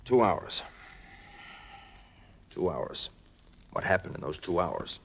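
An actor in a 1950s radio drama playing a gruff, impatient police chief with a curt, commanding manner, on an old recording. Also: male voice, sits low, very animated, slow pace, exaggerated voice. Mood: stern.

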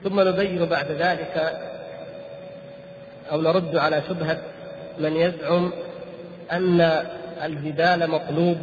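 A man delivering a formal Islamic lecture, reading and explaining a text in a deliberate way, pausing between short phrases. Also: a little high, flat delivery. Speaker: religious lecturer. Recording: echoey reverberant hall, muffled, faint noise.

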